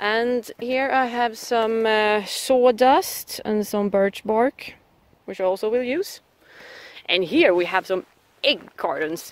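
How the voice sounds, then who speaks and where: Speaking at a very slow pace with long, frequent pauses, a woman with a Swedish accent uses a fairly high pitch and ordinary pitch variation. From Sweden. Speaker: outdoor vlogger. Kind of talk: casual tutorial vlog.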